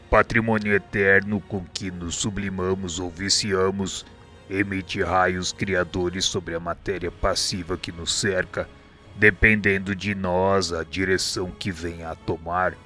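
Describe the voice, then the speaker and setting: A man acts out a wise spirit instructor for a radio drama. His voice is low, with a serene and solemn air. He explains in measured, didactic phrases over background music. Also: sharp tone. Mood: patient, explaining.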